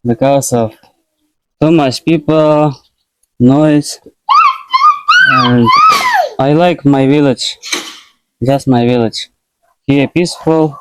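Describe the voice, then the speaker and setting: Slow-talking Russian man in simple English. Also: medium pitch, very noisy. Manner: short, simple phrases in learner's English. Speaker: interviewee, husband. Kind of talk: casual interview.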